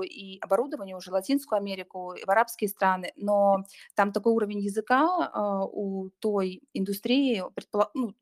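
A woman startup founder in a casual interview, talking with many pauses, fillers and restarts. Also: mid-range voice. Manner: hesitant, many fillers and restarts, occasional laughs.

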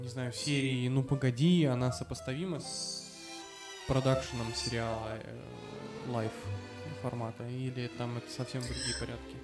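A man hosting a casual interview, asking long, loosely phrased questions. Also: medium pitch. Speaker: interviewer, show host. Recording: music clearly audible behind voice.

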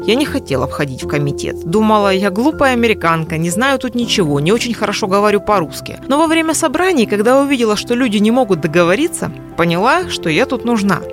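A middle-aged woman from California with an American accent, animatedly telling stories as an interview guest in a language that is not her first. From California, USA. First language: English. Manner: lively, animated storytelling with wide swings in pitch. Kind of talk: podcast interview.

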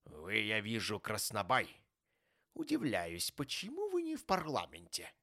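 A man's voice: lowish voice, wildly swooping pitch, unhurried, gravelly, sharp tone, exaggerated voice. A man voicing a grumpy old miser. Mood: harsh. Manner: scornful, harsh and snapping.

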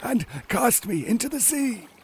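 A man's voice: very high-pitched, expressive, unhurried, slight background noise, voice pushed up. A man voicing a gasping, pitiful pike that pleads in a storybook. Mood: pleading. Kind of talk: storybook character voice.

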